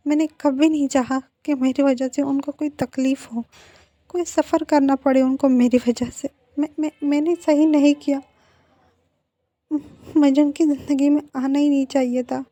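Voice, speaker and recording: A woman's voice: on the high side, steady tone, moderate pace, dark tone, dry recording, close to an everyday voice. A woman voicing a heartbroken young man who cries and blames himself. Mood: anguished. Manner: tearful, pleading. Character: heartbroken young man, crying and guilt-ridden.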